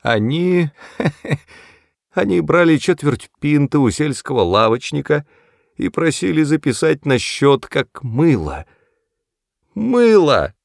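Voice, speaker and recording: A man voicing a timid old grandmother who speaks softly in a raised voice and giggles as she gets tipsy. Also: sing-song, unhurried, creaky, dry recording, clean studio sound. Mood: timid, giggly. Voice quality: higher, soft, giggling.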